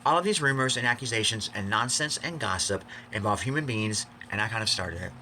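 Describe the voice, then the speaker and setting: Male vlogger, campy and theatrical, forceful bright tone, confessional delivery, faint background noise. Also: lowish voice, lively intonation, a little fast. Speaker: video blogger. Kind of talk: confessional vlog to fans.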